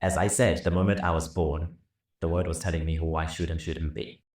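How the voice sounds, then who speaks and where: Deep-voiced man telling his story. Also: fairly even intonation, brisk. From Zimbabwe. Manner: reflective, earnest storytelling. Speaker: business and leadership coach. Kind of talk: personal story told over music. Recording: roomy, somewhat distant mic with soft music. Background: soft violin music.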